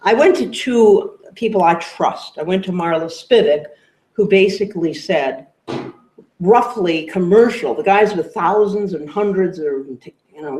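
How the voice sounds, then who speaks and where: A man on a panel discussion, thoughtfully giving context with numbers and a few hedges. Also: on the high side. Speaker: roundtable panelist. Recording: roomy hall echo.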